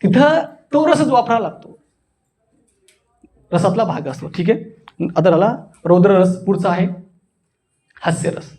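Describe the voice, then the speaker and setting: This is a man with a strikingly high-pitched voice and a Marathi accent. He teaches like a stage performer, putting questions to his listeners and acting out what he explains. The delivery is that of an animated workshop instructor. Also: measured pace, long pauses. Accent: Marathi, Maharashtra. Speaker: voice and public speaking workshop instructor. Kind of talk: animated classroom teaching with acted demonstrations.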